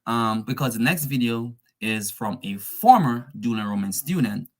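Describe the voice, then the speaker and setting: A man's voice: mid-range voice, lively intonation, normal speed. A man presenting information to students in a casual, repetitive way, addressing them as "guys". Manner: casual, addresses listeners as "guys", fillers and restarts. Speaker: dual enrollment presenter.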